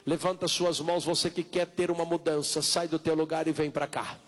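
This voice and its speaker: A Brazilian man preaches in a high voice, as a pastor at an altar call. He exhorts insistently, repeating short appeals and stretching out key words in the Portuguese of Brazil. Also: little pitch movement. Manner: insistent, repetitive exhortation with drawn-out calls. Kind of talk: evangelical sermon, altar call and prayer.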